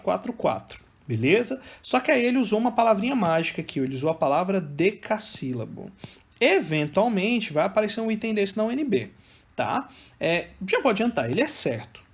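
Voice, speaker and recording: A man with a Brazilian accent teaching literature in an exam-prep lecture, chatty and speaking straight to his students. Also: sits high. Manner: chatty, addresses students directly, counts syllables aloud.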